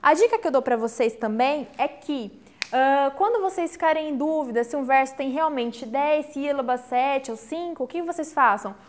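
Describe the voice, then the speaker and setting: A woman's voice: high-pitched, lively intonation. A woman teacher, giving an online literature lesson, explaining step by step and often checking in with the class. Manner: explains step by step, counts syllables slowly aloud; checks in with frequent "tá?".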